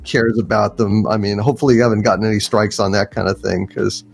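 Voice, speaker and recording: A man's voice: fairly low pitch, steady tone, fast talker, vocal fry. Encouraging man over background music. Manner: earnest, encouraging. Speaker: panel guest. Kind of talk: casual chat.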